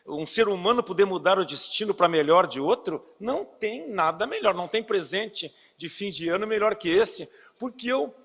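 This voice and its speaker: A man in his sixties with a Southern Brazilian accent, his voice high and husky, speaks earnestly to a lecture audience. He explains health matters patiently and poses rhetorical questions along the way. The sound carries a long reverb from the hall. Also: animated, normal speed, hardly any pauses, fairly bright tone. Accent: Southern Brazilian Portuguese. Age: 60s. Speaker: physician giving a lecture.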